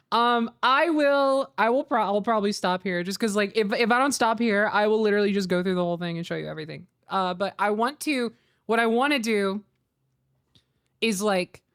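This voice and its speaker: A woman's voice: medium pitch, dry recording, clean studio sound. A woman streamer chatting casually and informally on a livestream.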